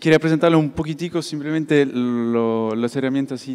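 Moderate pace and medium pitch in a man's voice with ordinary pitch variation. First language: not Spanish (speaking Spanish). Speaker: researcher; conference presenter. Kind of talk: conference presentation; conference talk. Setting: conference hall, university. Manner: halting, many fillers and repeats. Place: hall. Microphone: handheld.

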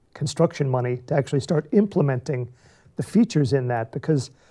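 Over a quiet background, a man with a dark, mellow, somewhat breathy voice talks at a fairly quick pace with ordinary pitch variation. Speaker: guest. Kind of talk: interview answer. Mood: friendly, relaxed. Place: studio.

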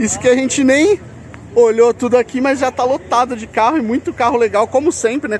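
A man at a fairly quick pace, ordinary pitch variation, dry sound with no echo, light background noise. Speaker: channel host filming event. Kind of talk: casual vlog commentary. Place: street. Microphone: phone near.

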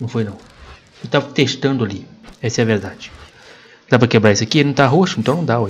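Over light background noise, a man talks at a very fast pace with ordinary pitch variation and long, frequent pauses. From Brazil. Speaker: gaming YouTuber. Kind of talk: gameplay commentary. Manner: animated.

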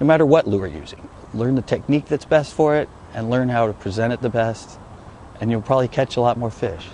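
Lively intonation carries a fairly quick pace over light background noise. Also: man, dry sound with no echo. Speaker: bass fishing instructor. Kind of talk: tutorial commentary. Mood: skeptical, mildly sarcastic. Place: open country.

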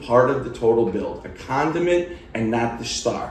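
A man speaks with lively intonation. Noticeable background noise runs beneath him. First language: Italian. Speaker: pizza instructor. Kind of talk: casual interview chat.

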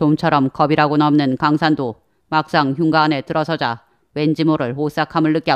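The background is quiet. The talking goes at a moderate pace. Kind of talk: horror audiobook narration. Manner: measured storyteller voice, dark and suspenseful.

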